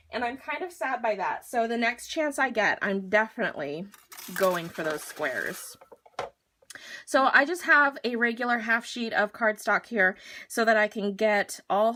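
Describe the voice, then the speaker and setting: A bubbly woman hosts a live card-making stream, chatting to her viewers as she works. Her voice sits a little high, and she takes her time, speaking at an unhurried, easy pace. She gushes over each finished piece. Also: sharp tone. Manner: talks to viewers while working with her hands. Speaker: craft demonstrator hosting a live stream.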